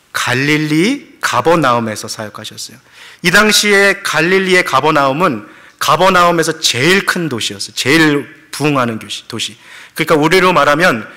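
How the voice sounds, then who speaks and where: A man's voice: a little high, pushed and bright. A man preaching a sermon as pastor, telling the story with questions to the congregation and English words mixed in. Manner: mixes English words into Korean.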